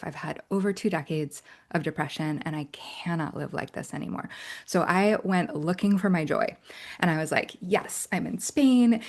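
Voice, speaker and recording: Husky, gravelly-voiced woman coach. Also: lowish voice. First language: English. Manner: earnest, often checks in with "right?"; drops to soft whispery asides. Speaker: workshop coach. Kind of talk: online workshop talk.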